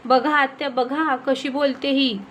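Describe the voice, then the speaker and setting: A woman's voice: high-pitched, flat delivery, a little slow, fairly bright tone, a little hiss or hum. A woman voicing a scheming second wife who talks in a sly, needling, sugary way in a storybook reading.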